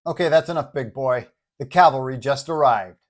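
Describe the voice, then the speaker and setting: A man's voice: mid-range voice, moderate pace, close to an everyday voice. A man voicing a confident, well-meaning superhero who talks in a breezy, colloquial way in an audio story. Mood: brisk, bold.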